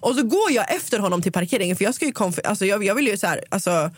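A young woman in casual storytelling mode, acting out what everyone said as she goes and dropping English phrases into her Swedish. Her voice sits at a middle pitch. The sound is close and dry, with no room around it. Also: husky, no room sound. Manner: lively retelling full of quoted dialogue, slipping English phrases into Swedish.

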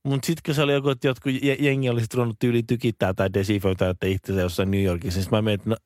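A Finnish man co-hosting a podcast, chatting in an animated, rambling way with many restarts. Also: fairly low pitch, dry recording, studio quality. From Finland. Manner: animated, rambling, with false starts. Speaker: podcast co-host. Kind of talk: casual chat.

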